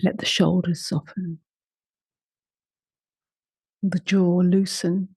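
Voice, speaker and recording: A woman leading a guided meditation in a soft, slow voice, humming between phrases and often trailing into a whisper. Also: fairly low pitch, little pitch movement, breathy edge, no echo, studio quality. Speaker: meditation teacher.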